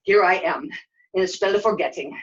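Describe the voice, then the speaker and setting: A woman puppeteer voices a fatherly knight for a puppet show. He is earnest and gentle, giving instructions in a measured, reassuring way. The live recording is slightly dull. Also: fairly low pitch, recorded from a distance, close to an everyday voice.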